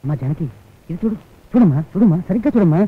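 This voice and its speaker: A gentle, coaxing old man. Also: high-pitched, animated, rapid-fire, breathy edge. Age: older. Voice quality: tender, coaxing. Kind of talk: Telugu film dialogue. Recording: tinny lo-fi film soundtrack, music.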